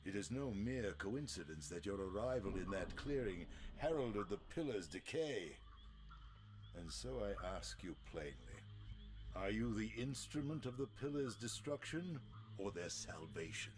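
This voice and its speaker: A man's voice: on the low side, animated, measured pace, noisy background. An actor playing an ancient, world-weary and haughty male vampire in a video game, sardonic, bitter and theatrical. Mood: grave, interrogating. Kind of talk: video game cutscene acting.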